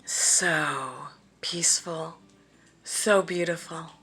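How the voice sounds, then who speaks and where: Slow, gentle woman guiding a meditation. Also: fairly low pitch, steady tone, breathy edge, soft background music, poor audio. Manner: gentle, deliberate, with long pauses and softly breathed phrases. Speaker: guided meditation leader. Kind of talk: guided visualization, soothing meditation narration.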